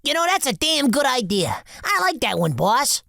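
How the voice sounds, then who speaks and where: A man's voice: very high voice, big pitch swings, moderate pace, creaky, pushed and bright, no echo, clean studio sound, voice pushed up, exaggerated voice. A man voicing a laid-back, crude sidekick who talks in casual, swearing slang.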